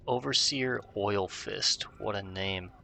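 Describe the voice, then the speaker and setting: Let's play host, male, laid-back, gravelly low voice with a bright edge. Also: slow pace, a little hiss or hum. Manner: laid-back, reads quest text aloud. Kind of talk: casual gaming commentary.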